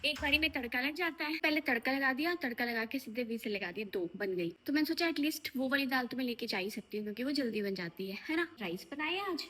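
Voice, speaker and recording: A woman's voice: high voice, lively intonation, quick pace, few pauses, fairly bright tone. A young woman vlogging casually to her viewers, chatty and affectionate as she goes through her day on the way to a shoot. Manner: chatty, talks to viewers as "lovelies". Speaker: vlogger and actor. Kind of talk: casual vlog chat to camera. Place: home, then a film set dressing room.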